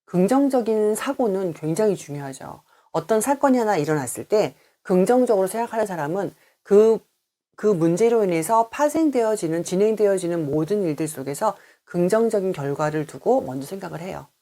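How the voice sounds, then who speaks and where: A woman's voice: mid-range voice, lively intonation, a little fast, mellow. A woman childcare educator giving a talk to parents and teachers, acting out sample questions to children along the way.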